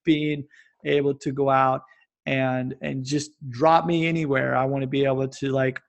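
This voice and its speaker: A man speaks at medium pitch, level and creaky, at an ordinary pace. He's a Kansas native in his forties appearing as a podcast guest, chatting casually in a rambling style he calls babbling.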